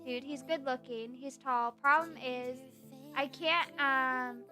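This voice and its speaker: Bright, high-voiced playful woman streamer. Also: steady tone, takes it slowly. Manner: playful, rambling, teasing. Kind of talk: casual chat reading stream chat. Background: soft background music.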